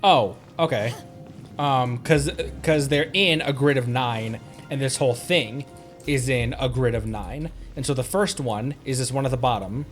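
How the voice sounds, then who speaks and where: A man streaming a game, playful and animated, talking casually as he thinks aloud. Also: medium pitch, measured pace, soft background music.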